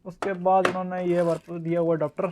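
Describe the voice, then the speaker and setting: Higher-voiced Pakistani man, fairly even tone. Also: fast talker, background noise. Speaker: shop's product reviewer and presenter. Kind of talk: casual unboxing and demo narration.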